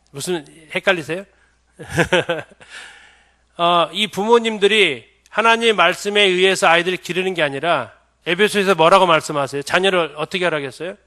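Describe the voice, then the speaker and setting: A man's voice: high voice, moderate pace, pushed and bright. A middle-aged male pastor giving a seminar on raising children, often putting questions to the audience. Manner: asks the audience many questions. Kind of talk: church seminar lecture.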